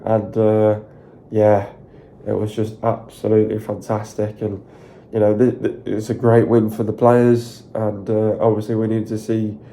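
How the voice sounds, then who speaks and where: A man with a croaky, sore voice, talking at length about his team's win in a loose, repetitive, excited way on his video channel. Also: fairly low pitch, a little slow, slight background noise. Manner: repetitive, filler-heavy, excited rambling. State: hoarse, sore throat. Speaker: football fan channel host. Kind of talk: casual solo video commentary.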